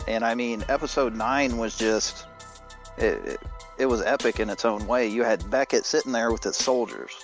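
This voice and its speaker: A man's voice: mid-range voice, fairly even intonation, moderate pace, faint music behind. A man recapping a story as a podcast guest, in a casual, wry way. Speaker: podcast guest, writer and editor.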